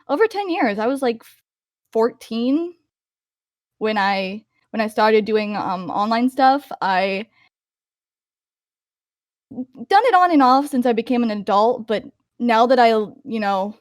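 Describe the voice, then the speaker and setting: A woman's voice: no echo, clean studio sound. A young woman voice actor answering interview questions casually, with many fillers and restarts. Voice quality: higher-pitched voice. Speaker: voice actor guest.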